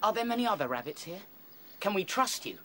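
A man's voice: high voice, big pitch swings, a little fast, crowd noise. A British man acting a small, anxious young male rabbit full of foreboding in a radio play, urgent and nervous.

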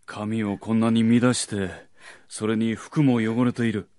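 A man playing a kindly, refined nobleman in a radio drama, speaking gently and considerately. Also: fairly low pitch, flat delivery, measured pace, no room sound, studio quality, natural voice. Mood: concerned. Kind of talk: Japanese radio drama acting.

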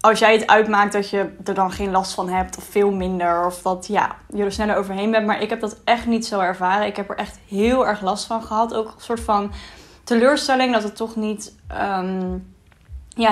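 Eating at a table in a small, bright room, a woman in her twenties does casual girl talk for her mukbang vlog, occasionally talking with food in her mouth. She speaks at normal speed in a steady, medium-pitched voice.

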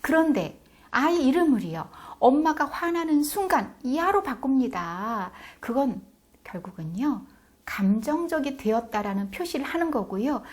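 A middle-aged woman coaches parents straight to camera. Her voice sits a little high. She presses her points hard, acts out a scolding mother, then drops to a near whisper for an aside. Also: animated, a little slow. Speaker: parenting educator. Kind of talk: parenting advice talk to camera.

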